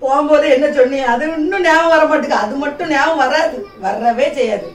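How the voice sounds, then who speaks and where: A woman's voice: high voice, a little fast. A woman playing a sulky, wounded wife, giving curt replies in an amateur family skit. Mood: reproachful. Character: sulking hurt young wife. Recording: echoey room, mic far off.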